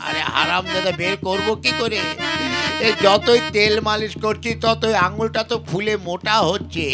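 Man acting exasperated Bengali puppet father, high-pitched. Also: moderate pace. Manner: scolding, questioning, exclamatory. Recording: clear instrumental music with tabla behind. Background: folk music with tabla.

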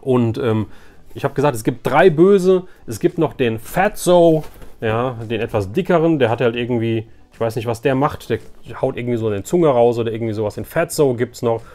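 A man with a medium-pitched voice hosts a collector's video. He chats casually to his viewers, rambling along with enthusiasm. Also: moderate pace, darkish tone, soft background music. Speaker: toy collector, video host.

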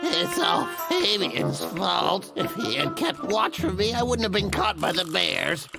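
An actor voicing an excitable, grumbling adult male logger in an animated cartoon, whiny and theatrical. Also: mid-range voice, measured pace, creaky, loud music behind the voice, full character voice. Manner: exclamatory, whiny, theatrical muttering. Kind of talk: animated cartoon dub acting.

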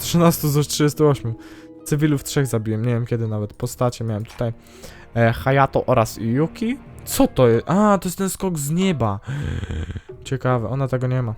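A man with a mid-range voice hosts his gaming channel, offering chatty, self-mocking let's-play commentary and talking to himself as he plays.

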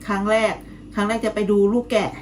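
A middle-aged woman, a little hoarse from calling, chatting casually to her viewers in a home vlog, friendly and talkative. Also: mid-range voice, flat delivery, fast talker, slight background noise. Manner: chatty, friendly, ends phrases with soft polite particles. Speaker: vlogger.

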